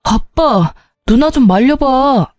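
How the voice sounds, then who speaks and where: A woman's voice: high-pitched, lively intonation, takes it slowly, a little mellow, dry recording, studio quality, soft background music, voice pushed up. A woman voicing an angry grown husband confronting his older sister. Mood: furious. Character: angry grown man, the husband, younger brother.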